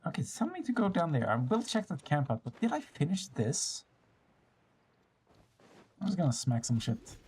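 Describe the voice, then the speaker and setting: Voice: mid-range voice, big pitch swings, normal speed, long pauses, darkish tone, husky. A game streamer giving casual, playful commentary with slangy, sing-song asides. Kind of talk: casual gameplay commentary with dramatic reading.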